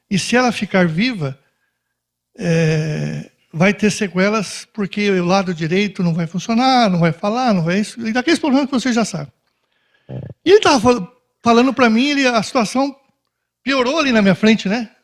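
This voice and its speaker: A man preaching a testimony, animatedly telling a story and acting out the dialogue. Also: sits high. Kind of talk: sermon testimony.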